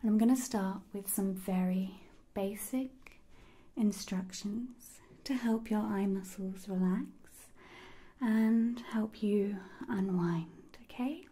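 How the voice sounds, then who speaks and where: A woman speaking as an ASMR host, softly and breathily, often in a whisper, with gentle, soothing, unhurried guidance. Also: medium pitch. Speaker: ASMR host giving guided relaxation. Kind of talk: ASMR role-play, soft-spoken and whispered instructions.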